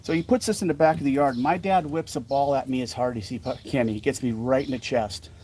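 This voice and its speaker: A man's voice: mid-range voice, fairly even intonation, brisk, darkish tone, slight background noise. A man co-hosting a podcast, telling a story from his childhood in a rambling, self-correcting way. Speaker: podcast co-host. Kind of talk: casual storytelling.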